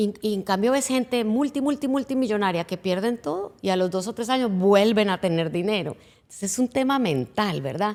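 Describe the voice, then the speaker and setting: A woman uses a plain, everyday voice at a medium pitch with lively intonation. She moves at a fairly quick pace with hardly any pauses. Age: 50s. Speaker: business coach. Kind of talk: podcast interview.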